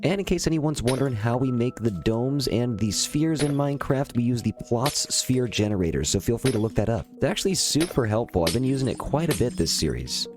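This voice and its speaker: A man slightly raspy from recent illness, calmly narrating his building gameplay in a relaxed, easygoing way, thinking aloud as he goes. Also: mid-range voice, a little fast, few pauses, music in the background. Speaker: Minecraft let's play host. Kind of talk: calm narrated gameplay commentary.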